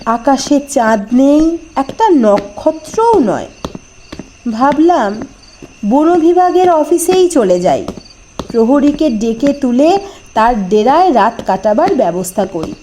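A woman reading a scripted first-person horror story as narrator, with dramatic, deliberate phrasing and short pauses. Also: high-pitched, warm tone, a little hiss or hum, low-quality recording.

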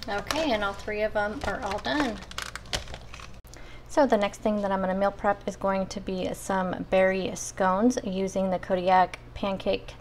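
A woman's voice: mid-range voice, a little mellow, slight background noise. Chatty woman cooking in a home kitchen. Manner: chatty, addresses viewers as you guys. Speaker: cooking vlogger. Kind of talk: casual step-by-step cooking talk.

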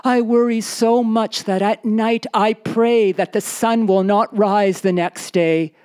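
Woman doing proud poor nomad husband, emphatic, declaiming, raised high voice, slow. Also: fairly even intonation, a little mellow, clean tone, close to an everyday voice. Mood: worried.

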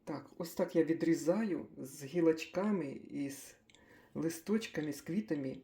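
An older woman chatting casually as she makes a breakfast smoothie in her kitchen, thinking aloud with small laughs. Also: sits low, moderate pace, mellow. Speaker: cooking vlogger.

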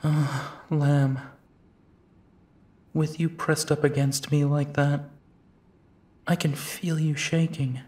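An actor playing a gentle, protective male werewolf detective in an intimate audio roleplay, speaking softly and earnestly, with reassuring pauses. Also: a little high, level tone, breathy edge. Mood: protective, soothing. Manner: slow, soft, reassuring, with pauses and sighs. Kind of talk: intimate second-person audio drama roleplay.

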